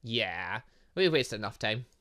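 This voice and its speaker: A man giving excitable, rambling casual commentary as he plays a visual novel as a gaming host. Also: lowish voice, a little slow. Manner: excitable, rambling, reacting aloud. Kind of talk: casual game commentary with lines read aloud from a visual novel.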